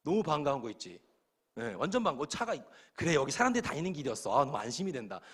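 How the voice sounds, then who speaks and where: Animated storytelling male pastor. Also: on the high side, racing, breathy edge. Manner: lively, animated storytelling with acted-out dialogue. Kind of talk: storytelling sermon to young adults.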